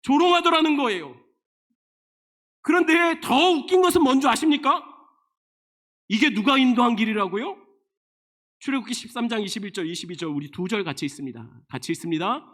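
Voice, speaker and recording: A male pastor delivers a sermon in a strikingly high, sharp and bright voice. He fires rhetorical questions at his listeners and keeps falling into a low, quiet register to land each point. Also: animated, brisk, pauses often. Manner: emphatic preaching with rhetorical questions, often sinking to a low, quiet voice. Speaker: senior pastor.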